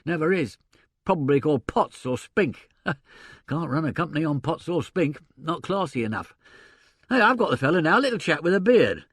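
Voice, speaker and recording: A man doing Mister Sullivan, a gruff older agent. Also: on the high side, sing-song, normal speed, a bit bright, no echo, clean studio sound, pitched above the performer's own voice, full character voice. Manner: colloquial, drops grammar, chuckles, opinionated. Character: gruff older male theatrical agent, blunt and talkative. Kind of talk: audiobook character reading.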